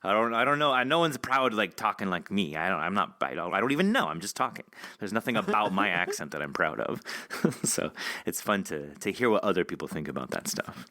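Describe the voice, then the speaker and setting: A man's voice: sits low, expressive, sharp tone, dry recording. An American man with a Californian accent, chatty and joking as he hosts a casual interview. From California, United States. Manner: chatty, joking, quick to laugh. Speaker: podcast host and interviewer.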